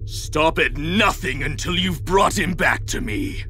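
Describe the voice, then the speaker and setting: A man's voice: on the high side, lively intonation, measured pace, pushed and bright, faint music behind. A man voicing a commanding, haughty villain plotting an invasion.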